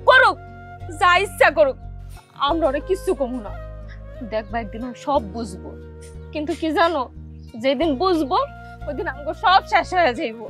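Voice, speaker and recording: Woman acting a village wife, high voice, pleading and consoling, faint music behind. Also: expressive, moderate pace, pauses often, a bit bright. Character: devout caring village wife, middle-aged. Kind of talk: television drama acting.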